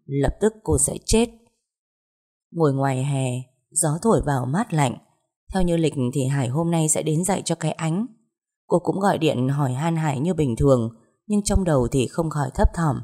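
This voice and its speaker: A woman narrating a ghost story in a measured, suspenseful way. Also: low-pitched, mellow.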